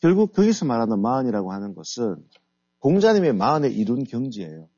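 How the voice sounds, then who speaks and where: A middle-aged man being interviewed on the radio, calmly explaining his ideas. His voice is mellow, and his pitch moves a lot. The sound is dry and dull, as on an older broadcast. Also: husky, dry recording. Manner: explaining, measured. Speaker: guest author and company head. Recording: dull lo-fi radio studio audio.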